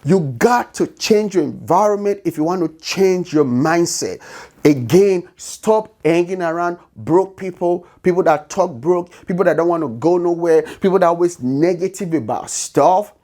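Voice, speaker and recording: A man's voice: sits high, lively intonation, normal speed, dark tone. A middle-aged man with a non-native English accent, giving a motivational business talk with an emphatic, repetitive, preaching cadence. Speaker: business coach.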